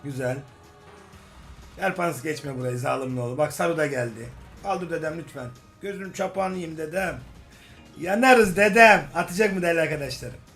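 A young man giving casual, joking commentary while playing slot games, swinging from grumbling to excited hype. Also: fairly high pitch, fairly quick. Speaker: slot game streamer. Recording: faint music behind voice. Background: faint game music.

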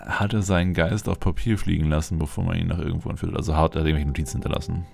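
A man doing casual, musing Let's Play commentary and roleplay in a deadpan way. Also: low voice, rapid-fire, gravelly.

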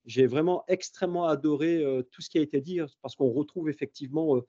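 A man's voice: fairly high pitch, fast talker, mellow, breathy edge. Effusive man in his fifties, muffled call. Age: 50s. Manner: effusive, stammering restarts. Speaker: university professor presenting his project. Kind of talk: online presentation. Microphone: video call.

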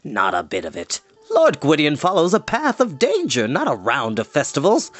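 A man voicing a boastful, excitable bard with a pompous, blustering manner in a storybook read-aloud. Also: on the high side, normal speed, breathy edge, heavily acted. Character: boastful, excitable male bard, self-assured adviser.

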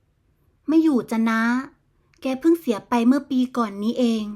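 A woman's voice: a little high, normal speed, darkish tone, lightly acted. A woman voicing a polite but blunt young village man, a sorcerer's son, in a bedtime storybook reading.

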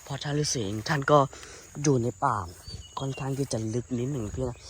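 A man's voice: medium pitch, fairly even intonation, brisk, a little hiss or hum. A man talking casually to his viewers on a phone as he walks through a rainy forest, chatty and uneasy. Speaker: vlogger. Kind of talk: casual walking vlog to viewers. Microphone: handheld phone. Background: insects and rain ambience.

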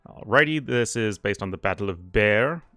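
A man hosting a strategy game video, reading mission text aloud in a relaxed, chatty way. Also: on the low side, normal speed, no echo, soft background music. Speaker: gaming channel host. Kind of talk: let's play commentary.

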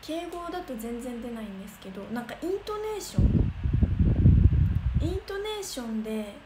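Young woman from kansai rambling on a livestream, kinda high voice, echoey room with noise. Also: very animated, normal speed. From Kansai region of Japan. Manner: chatty, bubbly, thinks aloud with many fillers. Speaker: idol livestreamer. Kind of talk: casual livestream chat reading comments.

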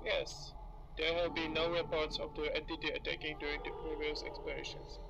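A calm, clinical research doctor in a horror game, acted by a man, with a creaky, slightly high voice. He supervises from a distance, and loud noise covers the recording. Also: brisk, muffled recording.

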